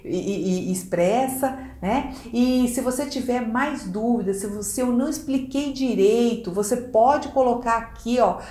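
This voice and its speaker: A woman with a Brazilian accent giving a casual coaching lesson in an expressive, demonstrative way, often checking in with quick tag questions. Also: a little high. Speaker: communication coach. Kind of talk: casual instructional video talk. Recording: echoey room.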